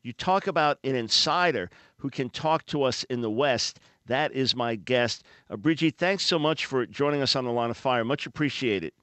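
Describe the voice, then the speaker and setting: Man, radio host, average pitch, friendly measured questions, dry close sound. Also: a bit bright, no room sound. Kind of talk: radio interview.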